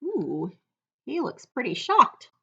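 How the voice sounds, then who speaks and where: A middle-aged woman reading a children's picture book aloud with expressive, dramatic storytelling and chatty asides. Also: on the high side, takes it slowly, creaky, lo-fi sound. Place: living room couch, indoors.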